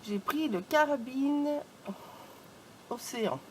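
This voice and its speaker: Speaking slowly in a voice that sits high, a woman presents an informal craft tutorial on her YouTube channel. She's chatty, stringing steps together with "donc," "voilà," and "hop," and the rough recording carries a little hiss or hum.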